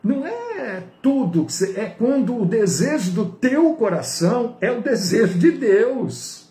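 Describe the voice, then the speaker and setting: A male pastor preaching with a high, very lively voice that rises and falls widely. He talks slowly, and his tone is mellow rather than bright. The room is roomy and echoey, with a faint ambience behind him. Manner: animated preaching, swinging from high to low. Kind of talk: sermon.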